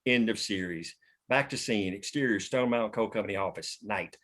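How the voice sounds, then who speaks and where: Lowish-voiced man reading stage directions. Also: a little fast, a bit bright. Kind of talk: scripted narration at a table read.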